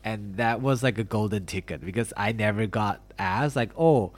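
A young man hosting a podcast chats casually with a friend he's interviewing, rambling and filling his speech with lots of "like" and "you know." His voice is fairly low, and he talks at a moderate pace.

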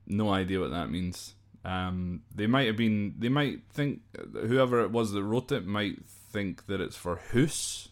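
Low-voiced, slow Scottish man. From Scotland. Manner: hesitant, off-the-cuff, spells words out letter by letter. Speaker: podcast host. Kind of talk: informal explainer of slang, working through a list.

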